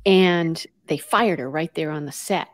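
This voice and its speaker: A woman's voice: sits low, a little slow. A middle-aged woman whose family is Puerto Rican but who grew up in the US, a guest telling stories expressively, acting out quotes and mixing in Spanish words. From Puerto Rico background, grew up in the US. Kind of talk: animated conversational storytelling.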